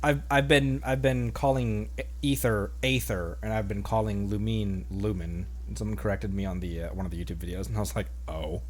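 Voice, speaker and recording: A man streaming a game with casual, joking commentary, often repeating himself haltingly. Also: lowish voice, steady tone, a little mellow, a little hiss or hum.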